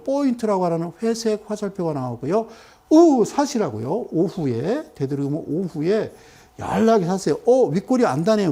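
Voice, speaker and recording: A middle-aged man with a voice that sits high talks viewers through a stock chart. His lecture is animated and full of rhetorical questions, punctuated by abrupt exclamations.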